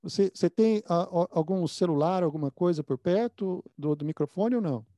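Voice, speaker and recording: A man with a notably high but mellow voice interviews a guest. He keeps his replies brief and attentive, and the sound is close and dry. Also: fairly quick, no echo. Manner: attentive, short affirmations, laughs easily. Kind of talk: casual remote interview.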